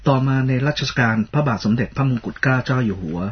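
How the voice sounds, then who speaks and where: A man co-hosting a radio talk show in a polite, measured, formal way, often reading out a list of titles. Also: mid-range voice, lo-fi sound, a little hiss or hum. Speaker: radio co-host.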